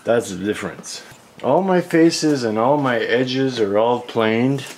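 The host of a woodworking channel narrates a folksy, informal how-to while working in his indoor home garage workshop. His medium-pitched, darkish voice is animated but slow. Workshop ambience and other background noise come through clearly.

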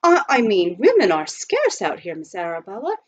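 A woman voicing a polite, earnest butler turned gold miner with a formal, halting delivery in a storybook reading. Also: mid-range voice, wildly swooping pitch, muffled recording. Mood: flustered, earnest.

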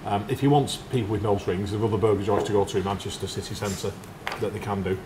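Brief: firm, no-nonsense owner in his 40s, low voice, lapel mic, faint restaurant hum. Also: steady tone, quick pace. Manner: blunt, firm, matter-of-fact. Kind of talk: casual interview. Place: restaurant dining room.

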